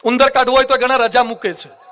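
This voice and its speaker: High bright-voiced male preacher. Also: fairly even intonation, fast talker, clear, resonant tone, faint music behind. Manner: playful, teasing, quizzes children in the audience. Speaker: monk preacher. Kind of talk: humorous Gujarati religious discourse. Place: assembly hall with a live audience.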